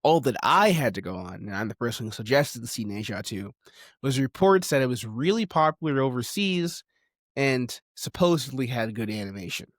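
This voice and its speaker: Male video essayist, mid-pitched, emphatic and opinionated, dramatic pauses, dry close recording. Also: animated, no echo.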